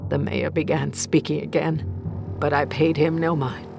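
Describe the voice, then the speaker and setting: A woman's voice: sits low, little pitch movement, gravelly, over music. A woman playing a vengeful condemned witch in a horror audio drama, telling her tale in a theatrical, brooding manner. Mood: bitter reverence. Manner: slow, theatrical, brooding storytelling.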